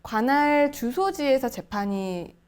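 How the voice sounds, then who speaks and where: A woman speaking as a lawyer guest, answering and explaining in a courteous, formal, measured way. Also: high voice, expressive, a crowd in the background. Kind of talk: polite interview answers and legal explanation.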